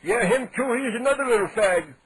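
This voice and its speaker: A man putting on a high, cranky 87-year-old man. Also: animated, fairly quick, fairly bright tone, breathy edge, heavily acted, rough recording. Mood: blustering. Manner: mock-polite indignation, blustering threats. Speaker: prank caller. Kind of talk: prank phone call.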